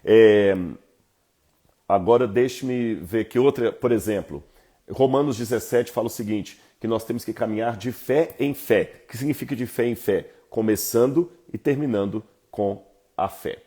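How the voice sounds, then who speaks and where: Husky Brazilian man teaching Bible. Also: on the low side, moderate pace. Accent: Brazilian Portuguese. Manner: lively, conversational lecturing with asides to viewers. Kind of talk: informal Bible lesson.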